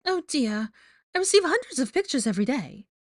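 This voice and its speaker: A woman's voice: sits high, sing-song, a little fast, pitched above the performer's own voice, exaggerated voice. A woman voicing a vile female gossip journalist, falsely chipper, theatrical and affectedly sweet, in an audiobook story. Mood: false cheer.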